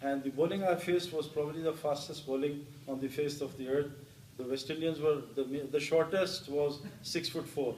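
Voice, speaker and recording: A middle-aged man from Pakistan, an interview guest and former cricketer, telling stories warmly with many fillers. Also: on the high side, fairly even intonation, moderate pace, noisy background. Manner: warm anecdotal telling with many "you know" fillers. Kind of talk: storytelling in an interview. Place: hall with an audience. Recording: roomy hall, voice picked up from a distance.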